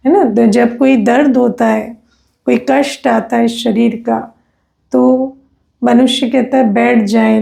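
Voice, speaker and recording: A woman's voice: a little high, vocal fry, mellow. A woman, a spiritual teacher giving a conversational discourse that is full of tag questions and personal anecdotes.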